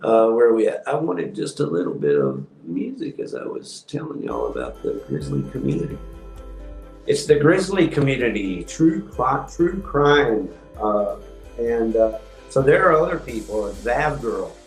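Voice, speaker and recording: A man, hosting a livestream and rambling in a calm monotone with many ums. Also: mid-range voice, measured pace, roomy sound, soft background music, low-quality recording. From Texas. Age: 50s. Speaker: house painting business owner hosting a livestream. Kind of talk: rambling casual livestream talk.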